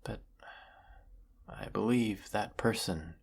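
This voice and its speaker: Man acting a deep, gravelly evil emperor. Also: exaggerated voice. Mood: brooding, confiding. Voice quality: gravelly, husky, low. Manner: measured, theatrical, menacing, formal villainous drawl. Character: galactic evil emperor, man, cruel, silky, secretly lonely. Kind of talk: scripted sci-fi audio roleplay monologue.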